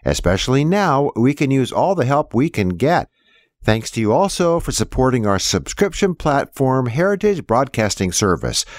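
Lively man reading a dry-voiced appeal. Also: medium pitch, dry recording. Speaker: show announcer. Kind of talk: scripted donation appeal.

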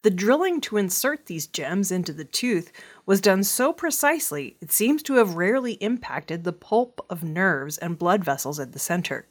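A woman reading archaeology news stories in a steady, clear newsreader manner. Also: lowish voice, moderate pace. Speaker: news reader.

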